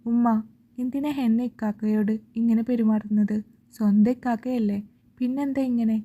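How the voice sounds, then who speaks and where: A woman's voice: a little high, steady tone, normal speed, dark tone, muffled recording, natural voice. A woman voicing a kind young friend. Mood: gentle.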